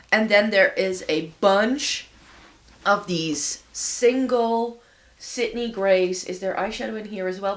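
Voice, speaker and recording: A woman vlogger with a slightly raspy voice from a cold, chatting casually from her home office as she shows makeup for a giveaway, rambling a little and thinking aloud. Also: mid-range voice, a bit bright. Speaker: beauty vlogger hosting a giveaway. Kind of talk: casual chatty product showcase.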